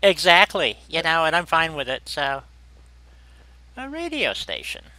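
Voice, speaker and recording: A man with a very bright, forceful voice chats casually while streaming a game. He is blunt and grumbly, swearing offhandedly. The sound is dry and close, the pitch a little high. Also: very animated, measured pace, no echo, low-quality recording. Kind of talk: casual chat while playing a video game.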